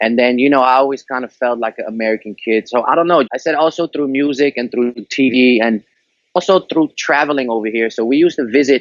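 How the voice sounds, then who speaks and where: A man with a mid-range voice rattles along very fast, his pitch varying normally. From Netherlands, near Amsterdam. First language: Dutch. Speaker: rapper. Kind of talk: interview. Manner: casual, with many fillers.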